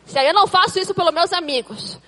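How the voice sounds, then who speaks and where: A woman playing an excitable, chatty mother in a comic church sketch, retelling events dramatically with quoted asides. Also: very high voice, fast, in a large hall. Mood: excited.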